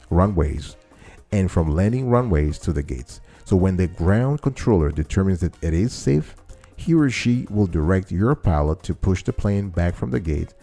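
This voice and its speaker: A man's voice: low-pitched, vocal fry, warm tone. A man hosting an informal explainer, teaching step by step and restating key phrases to his listeners. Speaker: show host and explainer.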